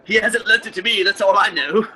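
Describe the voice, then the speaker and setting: A man's voice: sits high, fairly quick, sharp tone, rough recording. A man playing a flippant, callous Victorian businessman in a theatrical audio drama. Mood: indifferent, amused. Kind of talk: theatrical radio drama acting.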